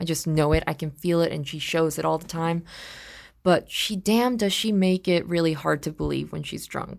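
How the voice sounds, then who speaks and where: With a Korean accent, a woman speaks at a moderate pace with a fairly low pitch and ordinary pitch variation. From South Korea. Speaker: podcast host and musician. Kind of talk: casual solo monologue. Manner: halting, many repetitions and restarts.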